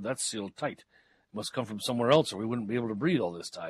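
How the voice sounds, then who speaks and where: Putting on a character voice, a man speaks at a very fast pace, raspy and medium in pitch, with lively intonation. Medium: read story.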